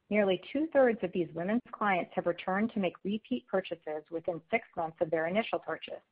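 Female executive reading prepared corporate remarks, formal and measured, mid-range pitch, narrow telephone conference sound. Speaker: company executive presenting on an earnings call. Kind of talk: scripted corporate presentation. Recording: phone-like conference call line.

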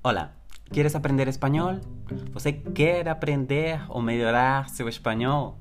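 A man's voice: medium pitch, measured pace, soft background music. A native Spanish-speaking man with a Spanish accent in Portuguese, hosting a language-learning podcast and talking straight to listeners in an encouraging way. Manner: encouraging, direct address to the listener. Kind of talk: solo podcast monologue addressed to listeners.

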